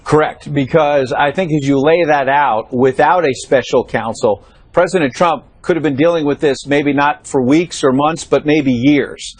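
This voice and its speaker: A man reporting from the White House on a cable news panel, explaining in a measured way with frequent fillers. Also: fairly high pitch, dry recording. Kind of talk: live news panel analysis. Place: studio or remote link from Washington.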